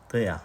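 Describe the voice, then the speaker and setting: A man's voice: pushed and bright, a little hiss or hum. A young man telling a story on a casual livestream, blunt and rambling, swearing often. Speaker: livestream host.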